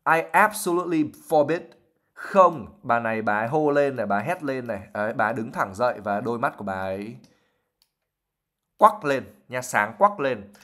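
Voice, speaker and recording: A man's voice: medium pitch, expressive, normal speed, fairly bright tone. Brief: male language teacher, patient explainer, lots of fillers, livestream lesson. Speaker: English teacher.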